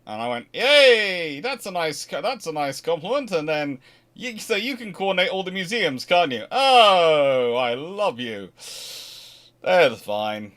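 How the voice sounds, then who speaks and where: A man's voice: fairly high pitch, unhurried. Rambling man answering viewer questions. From Scotland. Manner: rambling, self-correcting, animated asides. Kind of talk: casual livestream Q&A.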